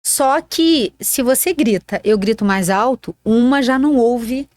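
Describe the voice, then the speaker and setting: A woman's voice: a little high, measured pace, darkish tone, dry recording. A woman co-hosting a casual podcast, speaking earnestly and emphatically, with many fillers. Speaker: podcast co-host.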